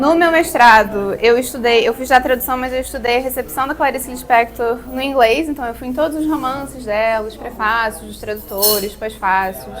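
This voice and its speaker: A woman with a Rio de Janeiro accent talks at a moderate pace and high pitch, with hardly any pauses and ordinary pitch variation. Her loudness swings widely, and noticeable background noise sits behind her. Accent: Rio de Janeiro (carioca). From Santa Catarina, southern Brazil. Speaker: literary translator. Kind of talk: casual chat. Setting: bookshop cafe with audience.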